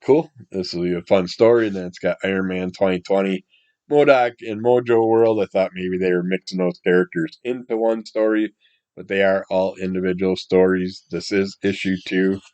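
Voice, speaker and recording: A middle-aged man, hoarse and congested from a cold, rambling casually as he opens a comic book review and often trails off into mumbles. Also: deep voice, moderate pace, a little mellow, lo-fi sound. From Wisconsin. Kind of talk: casual solo review chat.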